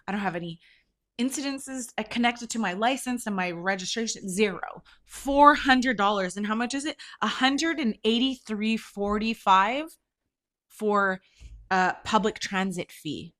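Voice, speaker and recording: A woman's voice: mid-range voice, measured pace. A woman, hosting a casual podcast, chatty and blunt, and congested from allergies. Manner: chatty, venting, animated, swears freely. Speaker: podcast host. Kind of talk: casual chat, storytelling.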